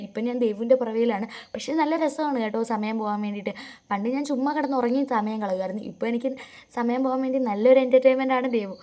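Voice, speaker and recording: Fast-chatting Keralite woman vlogger. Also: on the high side, mellow. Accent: Keralite Malayalam. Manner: chatty, rambling, frequent asides to viewers. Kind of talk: voice-over narration of a family vlog. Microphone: close voice-over mic.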